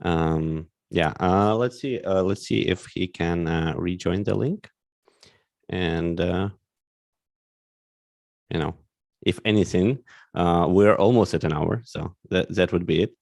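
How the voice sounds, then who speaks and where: Low, gravelly man hosting casually. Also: takes it slowly, long pauses, darkish tone, no room sound, studio quality. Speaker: podcast host. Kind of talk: casual interview chat. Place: remote online call.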